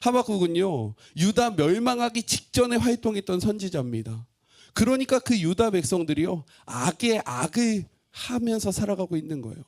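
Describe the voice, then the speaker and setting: A man pastor preaching a sermon expressively, asking his congregation questions and swinging between loud and hushed. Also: high voice, sing-song, moderate pace.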